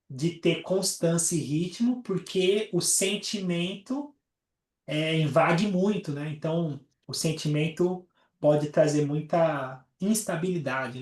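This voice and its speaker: A man leads a study group on a call and teaches in a relaxed, chatty way. His voice sits a little high. He is heard from a distance in a roomy, echoing space. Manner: explains with everyday examples, many fillers like "né". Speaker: astrologer leading a study group. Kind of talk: casual teaching talk.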